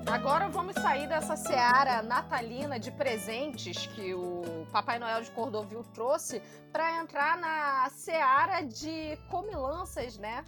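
Podcast co-host, woman in her thirties, high bright pitch, playful self-mocking chat. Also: expressive, slow, hardly any pauses, music in the background. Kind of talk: casual chat.

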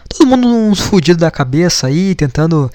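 A man's voice: a little high, sing-song, brisk, mellow, no room sound. A man giving casual reaction commentary, mocking and exasperated, swearing often. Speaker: video commentator.

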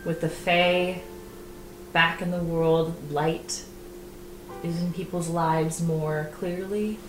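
A woman playing a tabletop game, speaking softly and earnestly in character and chatting with the table. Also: mid-range voice, fairly even intonation. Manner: soft, earnest and slow in character. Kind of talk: in-character roleplay and table chat. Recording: echoey room with music underneath.

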